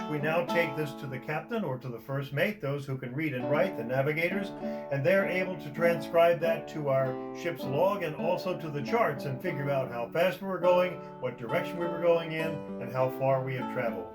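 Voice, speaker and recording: A man's voice: a little high, normal speed, natural voice, rough recording. A man playing a Renaissance privateer surgeon, giving a theatrical navigation lesson in mock olde-time speech at a faire demonstration. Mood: instructive, hearty. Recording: loud plucked guitar music behind.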